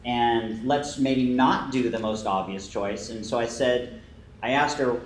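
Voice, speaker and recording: A man's voice: medium pitch, measured pace. A man from the Bay Area co-presenting a talk, explaining steadily and plainly. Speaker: co-presenter, video producer. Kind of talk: prepared presentation. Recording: echoey room, faint noise.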